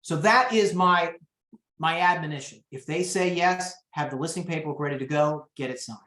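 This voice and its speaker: A man running a real estate training webinar over a video call, telling lively stories and acting out quotes. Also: on the high side, normal speed, roomy sound. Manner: lively storyteller, acts out quotes.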